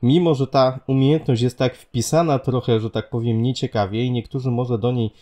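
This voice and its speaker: A man talks over gameplay footage, walking through a strategy game build in a relaxed explanatory way. He pauses often with fillers and little asides while he works through each point. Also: medium pitch. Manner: explanatory, frequent fillers and "że tak powiem". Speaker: gaming channel host. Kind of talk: game guide commentary. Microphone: voice-over on screen capture.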